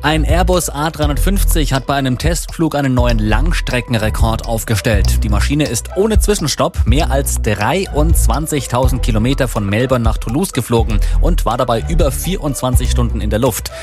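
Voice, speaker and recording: A man reading the radio news in a formal, even manner. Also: mid-range voice, normal speed, few pauses, music in the background. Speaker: newsreader.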